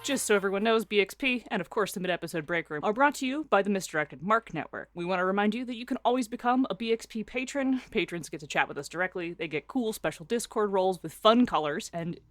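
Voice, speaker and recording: A woman co-hosting a tabletop-gaming podcast, chatting casually and reading sponsor spots, self-deprecating and quick to laugh. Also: mid-range voice, expressive, no echo, soft background music. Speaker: podcast co-host. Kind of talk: casual podcast chat and ad read.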